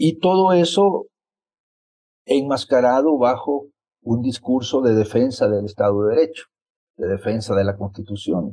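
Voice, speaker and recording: A man speaks at a fairly slow pace with long, frequent pauses, his medium-pitched, somewhat breathy voice carrying a dark, mellow tone and lively intonation. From El Salvador. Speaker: exiled left-wing politician. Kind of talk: interview.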